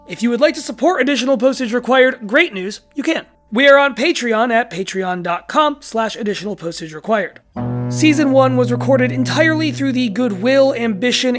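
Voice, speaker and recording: A man reading scripted closing credits as a podcast announcer. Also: sits high. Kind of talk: scripted narration.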